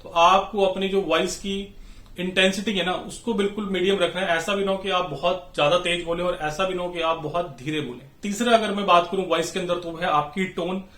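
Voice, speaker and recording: A man's voice: high-pitched, steady tone, fairly quick, fairly bright tone, echoey room. A man in his thirties giving a chatty sales-training lesson, calling viewers friends and filling gaps with "you know". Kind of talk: instructional talk to camera.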